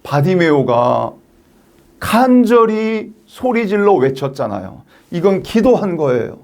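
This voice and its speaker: A man preaching a sermon to teenagers, telling the story in an animated way and acting out its scenes. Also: sits high, takes it slowly, vocal fry. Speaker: youth pastor. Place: church.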